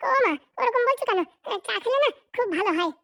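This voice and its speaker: A clingy, suspicious cartoon wife pleads and needles in a very high, chipmunk-like voice. She talks fast. The sound is close and dry. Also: expressive, bright, forceful tone, dry recording, heavily acted. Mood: coaxing. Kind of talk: sped-up cartoon voice acting.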